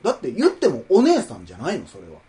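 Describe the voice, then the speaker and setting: Husky Kansai man, teasing. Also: on the high side, huge pitch swings, rapid-fire, mellow. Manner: teasing, playful banter. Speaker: podcast co-host. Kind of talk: casual chat.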